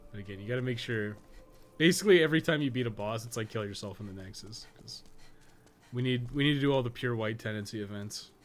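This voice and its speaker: A man's voice: medium pitch, fast talker. Man streaming a game, noisy background. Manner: rambling, profane, joking with chat. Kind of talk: casual live-stream commentary while playing a game.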